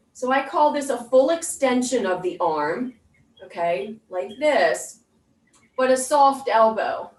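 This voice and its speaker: A woman fitness instructor leading an exercise class, giving step-by-step instructions and counted cues. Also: on the high side. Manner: clear step-by-step cueing. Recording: roomy echo, distant microphone.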